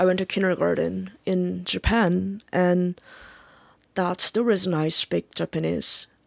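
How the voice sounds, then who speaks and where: The speaker talks at a fairly slow pace with a Korean accent. The recording is very clean, with a silent background. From South Korea. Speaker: video creator. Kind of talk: casual monologue. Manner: halting, with many fillers.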